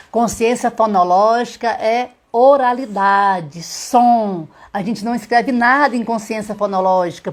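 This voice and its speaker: Middle-aged woman, literacy teacher, live-stream lesson, patient step-by-step explainer. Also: mid-range voice. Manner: sounds out letters slowly.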